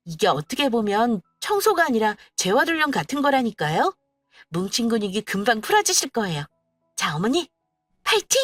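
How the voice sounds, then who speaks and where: A woman's voice: on the high side, very animated, moderate pace, dry recording, soft background music. A woman doing a young daughter-in-law, sugary, teasing, mock-polite, bouncy intonation, dry close sound. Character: young wife, sweetly sarcastic daughter-in-law.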